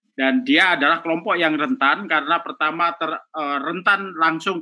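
With an ordinary speaking voice, a man talks at a moderate pace in a fairly high pitch and lively intonation. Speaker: migrant rights activist. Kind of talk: webinar panel discussion. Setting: video call.

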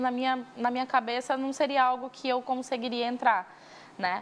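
A woman's high-pitched voice in a monotone, flat intonation. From Manaus, Brazil. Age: 30s. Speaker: Spanish teacher. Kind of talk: interview. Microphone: lapel.

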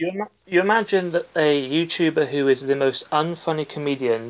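A man with a West Country accent speaks at a fairly high pitch. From Taunton, Somerset, England; England. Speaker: caller; call-in show host. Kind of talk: casual chat. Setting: video call. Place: home room. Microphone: webcam.

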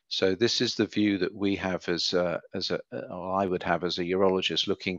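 Heard in a dry sound with no echo against a quiet background, a man speaks with a very deep, low pitch and fairly even intonation. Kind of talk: lecture. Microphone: webcam.

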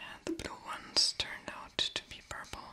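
Soft-spoken and whispering, a woman talks at a moderate pace amid noticeable background noise. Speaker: ASMR creator. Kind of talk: soft-spoken casual demonstration. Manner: soft ASMR whisper.

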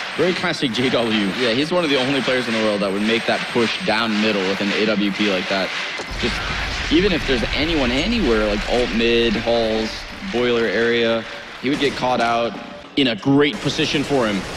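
There is noticeable background noise as a man with a medium pitch talks at a moderate pace, with ordinary pitch variation and very even loudness. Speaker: esports analyst. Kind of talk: live esports commentary. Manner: calmer, explanatory analysis.

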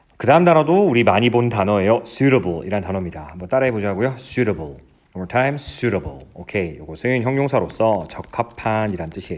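This voice moves at a fairly quick pace with very wide swings in pitch. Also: man, fairly low pitch for a man. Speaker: high school English teacher. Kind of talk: lecture.

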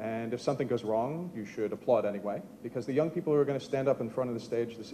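Talking at a very fast pace, a man is heard over noticeable background noise. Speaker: innovation lab team member, event emcee. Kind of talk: event presentation and emceeing. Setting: stage with audience. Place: hall. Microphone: handheld.

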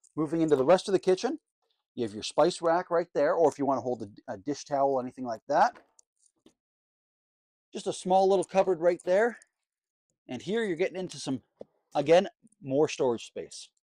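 A man's fairly quick delivery, dark and mellow in tone, dry with no echo, over a quiet background. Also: lively intonation. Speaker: RV dealer salesperson. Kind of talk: walkthrough tour commentary. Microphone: camera far.

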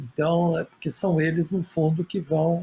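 Speaking very slowly, this man has a fairly high voice. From interior of São Paulo state, Brazil. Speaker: state legislator and former educator. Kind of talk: interview about life and career. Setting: virtual video call. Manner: formal, halting with repeated words. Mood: warm, smiling, relaxed. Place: office. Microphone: video call.

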